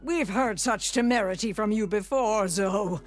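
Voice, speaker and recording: A grave female tribal leader voiced by an actress in a fantasy game. She speaks formally and with bitter reproach, in a mid-pitched voice with faint music behind. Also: unhurried, lightly acted. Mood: reproachful. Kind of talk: dramatic video game acting. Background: background music.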